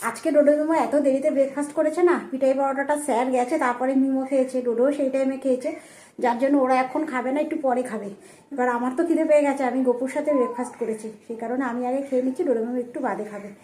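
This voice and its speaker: Mom vlogger rattling on about breakfast and the kids, quick talker, mellow voice, highish pitch. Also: female voice, steady tone. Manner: chatty, narrating chores and meals as she goes. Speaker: family vlogger and mother. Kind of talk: casual home vlog chat. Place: family home kitchen.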